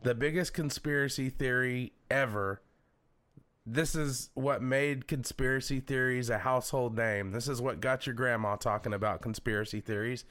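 A man's voice: mid-range voice, moderate pace, soft background music. A man hosting a comedy podcast, chatting casually and telling stories with easy fillers. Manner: storytelling, relaxed, with fillers. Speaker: podcast host. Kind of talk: casual chat.

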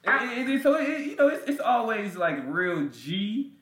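An African American man talks in casual, slangy podcast chat. His voice sits a bit high for a man. He repeats words as he works out a point, and the room around him is echoey. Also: big pitch swings, measured pace, a bit bright. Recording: roomy, echoey sound.

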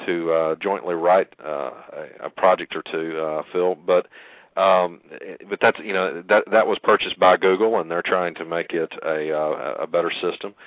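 Deep-voiced male co-host, earnest and hesitant; phone-line sound. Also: no echo. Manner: earnest, hesitant, many pauses. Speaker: podcast co-host. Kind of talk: casual podcast conversation. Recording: tinny phone-line call audio.

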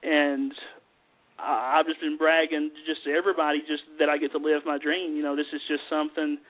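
A man's voice: a little high, little pitch movement, brisk. A man with a Southern American accent, a psychic medium guest talking in an easygoing, folksy way with many fillers. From Southern US mountains. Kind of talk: casual chat. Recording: tinny phone line.

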